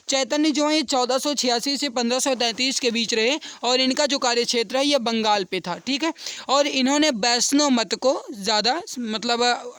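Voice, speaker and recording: A man with a strikingly high, very clean and smooth voice teaches an exam-prep class. He speaks straight to his students and repeats key points, often checking in with short tags. The sound is close and dry. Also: a bit bright, no room sound. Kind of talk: online exam-prep lesson, explaining quiz questions.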